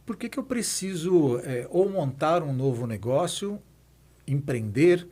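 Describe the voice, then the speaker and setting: Animated yet measured, a Brazilian man in his fifties tells his life story while guesting on a podcast, where he's introduced as president of a nonprofit institute. His fairly high voice is mellow with a breathy edge, and his interview answers are reflective and explanatory.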